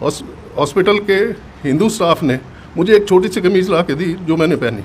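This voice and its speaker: Noticeable background noise runs under the recording. Over it, a man talks with a high pitch. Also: ordinary pitch variation, moderate pace. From Punjab, Pakistan. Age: 80s+. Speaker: partition survivor, businessman. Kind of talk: testimony. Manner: halting.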